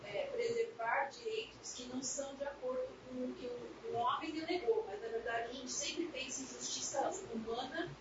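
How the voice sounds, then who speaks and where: A woman's voice: high-pitched, normal speed, few pauses. A woman in a study group thinking aloud in an earnest way, searching for words as she speaks. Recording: echoey, distant, lo-fi, noisy room.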